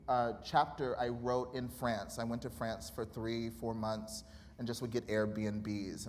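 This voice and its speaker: A man in his thirties, an author guest in a live interview, talking candidly and animatedly, laughing often and acting out remembered conversations. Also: mid-range voice. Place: college auditorium. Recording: reverberant hall with faint noise.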